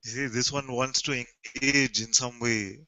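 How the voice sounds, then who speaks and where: A man's voice: mid-range voice, steady tone, a little slow, bright, forceful tone, no echo. A man with an Indian accent, a spiritual teacher answering a student in short, plain teaching statements. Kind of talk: calm spiritual dialogue. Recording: dull, lo-fi and dry.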